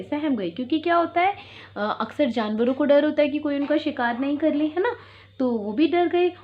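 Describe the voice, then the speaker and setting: A woman teacher tells a story to young children, stopping to explain words and check they follow. Her voice is high and very animated. The audio is dull and lo-fi, like an online class recording. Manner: explains and repeats simply, checks in with "theek hai".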